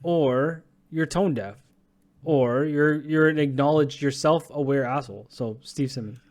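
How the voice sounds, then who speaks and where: A man's voice: fairly high pitch, unhurried, darkish tone. A young man co-hosting a casual sports podcast, ranting bluntly and profanely, often breaking into laughs. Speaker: podcast co-host.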